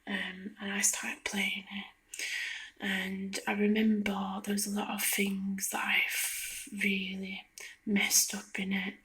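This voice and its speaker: A woman giving a soft-spoken ASMR ramble in a hushed, hesitant whisper, meandering as she goes. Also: medium pitch. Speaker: video creator. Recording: lo-fi close whispering.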